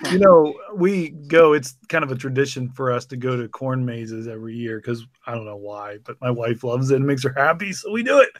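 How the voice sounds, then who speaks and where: A man hosting a podcast, chatting casually and telling anecdotes in a joking, animated way. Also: medium pitch, fairly quick, hardly any pauses, no room sound. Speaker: podcast host.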